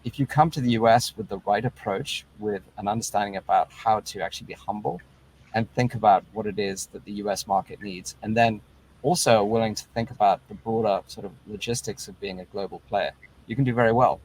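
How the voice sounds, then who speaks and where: A man on an investor panel, speaking in a measured, advice-giving way over a video call. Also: lowish voice, a little mellow, slightly rough, poor audio. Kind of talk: panel discussion.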